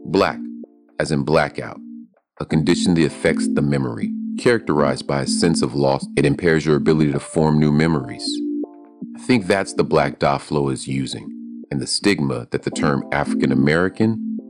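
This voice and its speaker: A man hosting a podcast, narrating thoughtfully and asking short questions in a measured, musing way. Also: a bass voice, lively intonation, gravelly. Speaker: podcast host. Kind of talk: reflective podcast narration and interviewing. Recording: music playing behind the voice.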